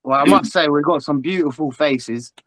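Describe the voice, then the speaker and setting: A man's voice: fairly high pitch, normal speed, a bit bright, dry recording. A man hosting his channel's panel chat, upbeat and a little self-conscious, introducing his guests. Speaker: channel host. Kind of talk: casual chat.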